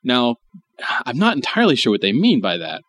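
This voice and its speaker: A man's voice: mid-range voice, huge pitch swings, a little fast, fairly bright tone, slight background noise. Crude, chuckling comedy podcast host man. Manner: crude jokes, chuckling while reading articles aloud. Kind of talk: casual comedy podcast chat.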